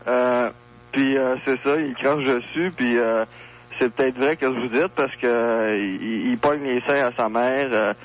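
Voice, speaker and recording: A man's voice: medium pitch, steady tone, measured pace. A man in his twenties with a Québécois French accent, calling in to a radio show over the phone, talking bluntly and crudely with many fillers and hesitations. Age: 20s. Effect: caller's voice over a phone line. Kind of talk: phone-in chat.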